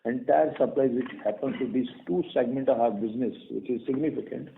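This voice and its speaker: A man with an Indian accent giving a prepared company earnings presentation as an executive, formally and in short, measured phrases. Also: mid-range voice, gravelly, slight background noise. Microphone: phone or conference call line. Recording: tinny phone-line conference call audio.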